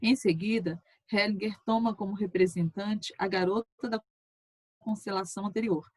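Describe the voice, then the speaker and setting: A woman teacher reading a session transcript aloud in a steady, measured way. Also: mid-range voice, husky, dry recording.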